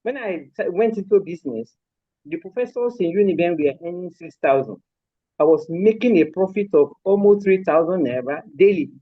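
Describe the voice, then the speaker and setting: This is an older Nigerian-accented woman from Lagos, a mother and grandmother, who is a guest on a live interview discussing how she raised her children. With a lowish, expressive voice at a moderate pace, she speaks emphatically and firmly, forcefully repeating her points. The clip has no echo and its highs are cut off.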